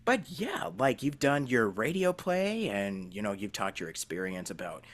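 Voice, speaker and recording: A man who hosts interviews and works as a voice actor keeps things casual, chatting in a slangy, rambling, informal way. His lowish voice is very animated and moves at normal speed.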